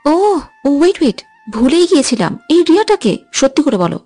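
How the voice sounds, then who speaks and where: A young woman playing a teasing, quick-tempered heroine in a dramatized audio love story, bickering and sulking playfully. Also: high-pitched, big pitch swings, warm tone, dry recording, faint music behind. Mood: sulky.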